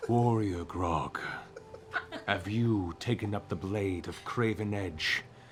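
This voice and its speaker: A low-pitched put-on character voice at a fairly slow pace, with clear music in the background. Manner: gentle, caressing.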